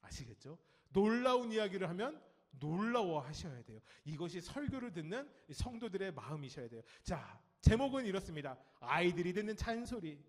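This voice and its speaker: A Korean man preaching a Sunday sermon, telling stories and speaking straight to the congregation, his sentence endings trailing off soft and low. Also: a little fast, hardly any pauses. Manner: lively storytelling with acted quotes of nagging adults; talks directly to the congregation and children. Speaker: pastor. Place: church sanctuary.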